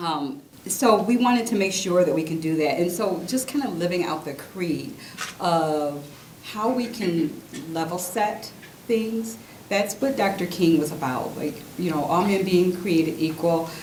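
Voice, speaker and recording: Against noticeable background noise and audible room echo, a woman speaks with a fairly low pitch. Her pace is fairly slow and her intonation lively. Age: 60s. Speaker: credit union executive. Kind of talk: speech at a ceremony. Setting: indoor event with audience. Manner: hesitant, many fillers.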